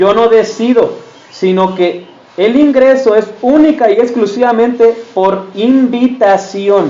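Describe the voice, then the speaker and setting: A man at an extremely high pitch with ordinary pitch variation, very even loudness and a very slow pace. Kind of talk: roundtable discussion talk.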